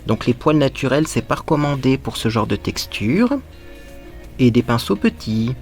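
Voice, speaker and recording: A man's voice: medium pitch, lively intonation, moderate pace, faint music behind. A man hosting a casual makeup tutorial, chatting playfully to viewers while he applies his makeup and dropping in little sound words.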